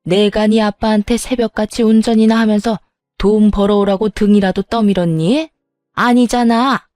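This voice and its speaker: A brazen, self-pitying older mother-in-law, read by a woman in a storybook reading, whining and defensive. The voice is dark and mellow, recorded dry and close. Soft music plays underneath. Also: mid-range voice, steady tone, moderate pace, dry recording, lightly acted. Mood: scornful.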